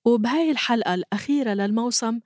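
A woman hosting a podcast, narrating from a script in a calm, explanatory way. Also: on the high side, fast talker, dry recording, studio quality. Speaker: podcast host.

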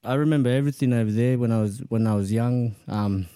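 A man's voice: medium pitch, fast, warm tone, smooth, no room sound. A man in his forties from El Salvador, a guest in casual, laughing chat who swears freely. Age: 40s.

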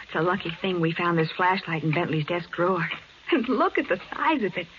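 An actress playing a plucky, anxious young detective's assistant in a 1940s radio crime drama. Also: female voice, lowish voice, lively intonation, fairly quick, lightly acted. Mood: eager, curious. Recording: muffled, noisy 1940s radio recording.

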